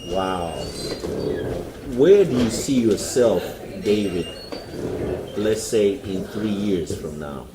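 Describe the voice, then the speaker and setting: A man's voice: on the low side, lively intonation, slow, pauses often, noisy background. A male interviewer asking short prompting questions in a cafe, murmuring acknowledgements between answers. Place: busy cafe. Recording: roomy cafe.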